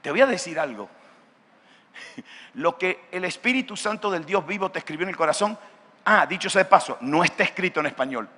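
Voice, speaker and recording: A male pastor preaching a sermon at a youth conference, with an impassioned delivery that rises to shouts. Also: sits high, lively intonation, brisk, long reverb tail. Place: large hall at a youth conference.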